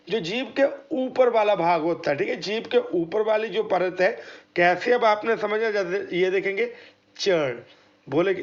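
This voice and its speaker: A man's voice: high voice, lo-fi sound. A man teaching an exam prep lesson, explaining step by step, asking questions and answering them himself, and sounding out letters for his listeners. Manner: addresses listeners as friends and demonstrates sounds aloud.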